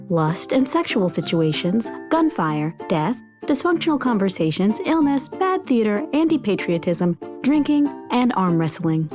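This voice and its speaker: Casting: female trailer announcer, measured scripted read, middle pitch, music bed. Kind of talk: scripted podcast trailer narration. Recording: music behind voice.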